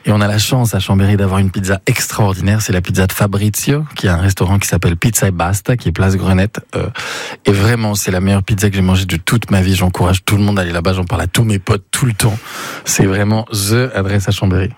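Male guest from Savoie, fast, husky, low, emphatic. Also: fairly even intonation, darkish tone, no room sound, clean studio sound. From Savoie, France. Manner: enthusiastic, emphatic praise. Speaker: theatre director guest.

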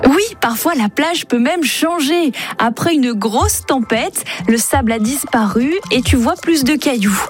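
Lively storytelling woman columnist. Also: sits high, a little slow, hardly any pauses, faint music behind. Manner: gentle storytelling, warmly explanatory. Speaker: radio columnist. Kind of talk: explaining science to a child.

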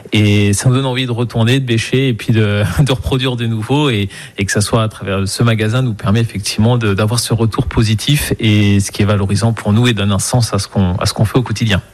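A man who grows vegetables, speaking earnestly in a radio interview and restarting his phrases now and then. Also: fairly low pitch. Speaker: market gardener.

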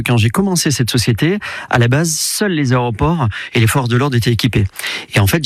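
Brief: man, company head on a radio interview, rapid delivery, dry close sound. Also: medium pitch, no echo. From France. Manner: fast, eager, repeats words while explaining. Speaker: company CEO, interview guest.

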